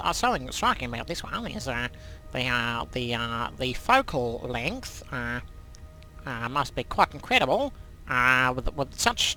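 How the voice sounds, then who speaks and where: A man in a put-on character voice speaks at a moderate pace over clear background noise. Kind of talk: mock-academic lecture. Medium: solo performance. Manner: halting, filler-heavy, with constant 'uh' and restarts; pompous and formal, addressing 'ladies and gentlemen'.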